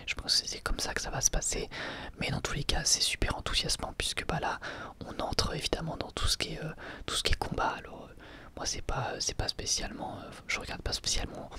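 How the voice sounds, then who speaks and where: Male ASMR host for whispered reviews, bright breathy tone, thinks aloud hesitantly. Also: brisk. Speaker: host reviewing an anime episode.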